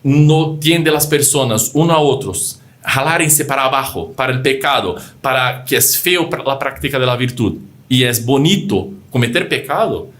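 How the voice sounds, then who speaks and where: A man co-hosting a religious podcast, speaking a language that is not his first. His voice sits at a middle pitch. He explains things in plain examples and often breaks off a word to restart it as he hunts for the right phrasing. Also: moderate pace, few pauses, a bit bright. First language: not Spanish. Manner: explains with examples and acted-out quotes, frequent restarts. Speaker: podcast co-host.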